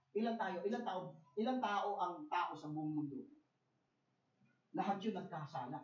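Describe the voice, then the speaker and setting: A Filipino man preaching a bilingual sermon as pastor, shifting from soft, low asides to loud, emphatic lines, often stammering and repeating words. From Philippines. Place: church conference hall. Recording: roomy, dull church recording.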